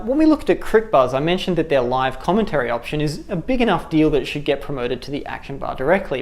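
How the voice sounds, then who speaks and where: A man in his thirties with an Australian accent, presenting a scripted tutorial on app development in an upbeat way in a studio. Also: on the high side. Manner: upbeat, gestures with hands while talking. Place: studio with dark backdrop.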